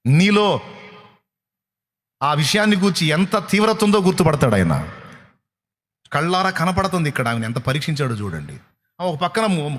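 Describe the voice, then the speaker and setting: A male pastor delivers a sermon at a night prayer service. His voice sits a little high, and he preaches emphatically, firing off rhetorical questions. A long reverb tail hangs on every phrase in the hall. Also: a bit bright. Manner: emphatic, rhetorical questions, big swings in pitch.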